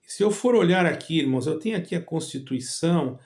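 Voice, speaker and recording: A middle-aged man raised between Brazil and Portugal hosts his own evangelical channel, addressing fellow believers directly. He speaks haltingly, with many pauses and restarts, in a slightly high, expressive voice with a darkish tone.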